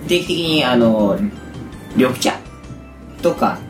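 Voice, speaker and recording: A man with a hoarse, raspy voice worn out from shouting, chatting casually and at length as a show host. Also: medium pitch, expressive, slow. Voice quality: hoarse, gravelly rasp from overused voice. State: hoarse after a day of shouting karaoke. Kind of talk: casual chat. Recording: echoey room with music behind. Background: background music.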